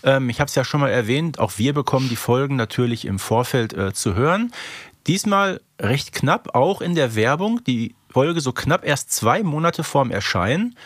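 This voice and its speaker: A man's voice: mid-range voice, lively intonation, moderate pace, no echo. A man co-hosting a podcast in casual conversation, speaking close to the microphone. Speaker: podcast co-host.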